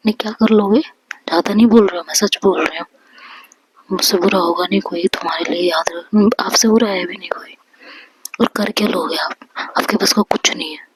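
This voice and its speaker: A woman whispering the part of a defiant, sharp-tongued young woman in a whispered role-play, snapping out rapid retorts. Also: mid-range voice, steady tone, close to an everyday voice, rough recording. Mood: scolding.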